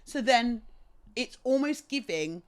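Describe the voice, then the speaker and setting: A woman from England with a British accent, speaking as a guest in a casual conversation and telling her stories in an articulate, expressive way. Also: fairly high pitch, takes it slowly, clear, resonant tone. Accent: British English. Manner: articulate, expressive, animated storytelling.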